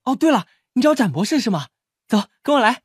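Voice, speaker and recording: A naive, soft-hearted young policeman, played by a woman, speaks in a boyish, earnest way in an audiobook drama. The voice is highish and husky, with lively swings in pitch. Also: brisk, no echo, soft background music, heavily acted. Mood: eager.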